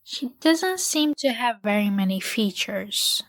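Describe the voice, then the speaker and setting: A woman playing a wry, self-deprecating, resentful ordinary human in an audio drama, speaking in a measured way. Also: on the high side, lively intonation, a bit bright.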